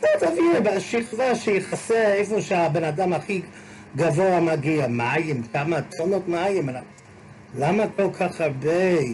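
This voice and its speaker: Through audible room echo and noticeable background noise, a man with a high pitch speaks at a very slow pace, his loudness very even and his pitch varying in an ordinary way. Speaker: rabbi lecturer. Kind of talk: Torah lecture.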